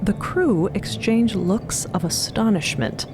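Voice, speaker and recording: A woman narrating scripted audio fiction dramatically, in measured, deliberate phrases. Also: medium pitch. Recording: music bed under the voice. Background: music.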